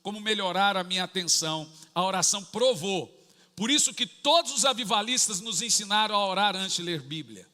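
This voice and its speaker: A man's voice: high voice, brisk. A man in his forties with a Brazilian Portuguese accent, preaching a sermon and acting out funny family stories. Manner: animated storytelling, jokey, acts out family dialogue. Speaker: pastor. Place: large church hall. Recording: echoey church hall.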